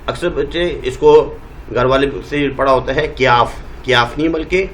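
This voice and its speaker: A male teacher with a Pakistani Urdu accent, giving a Quran reading lesson and drawing out each letter name slowly to show how it is said. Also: medium pitch, rough recording. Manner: draws out letter names slowly, modelling pronunciation.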